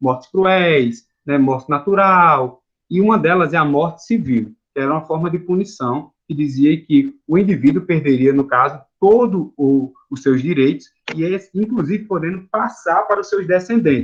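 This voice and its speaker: A man with fairly high pitch uses an ordinary speaking voice, talking at a moderate pace with lively intonation. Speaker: university student. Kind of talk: class presentation.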